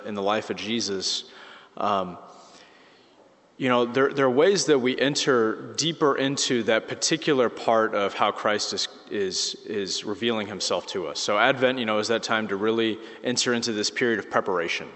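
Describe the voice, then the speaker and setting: A slightly hoarse man giving a casual, conversational sermon as a priest, with many fillers and restarts. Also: lowish voice, fairly bright tone. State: slightly hoarse, losing his voice. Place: church. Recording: church mic with long reverb.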